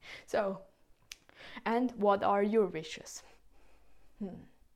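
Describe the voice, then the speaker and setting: A woman speaks very slowly with a Swiss German accent. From Switzerland. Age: 20s. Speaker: podcast host. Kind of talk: casual solo podcast talk. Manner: halting.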